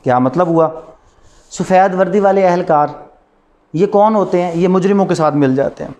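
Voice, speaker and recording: A man's voice: sits high, moderate pace, a little mellow. A man with a Pakistani accent giving a law lecture in a didactic way, posing rhetorical questions and answering them himself.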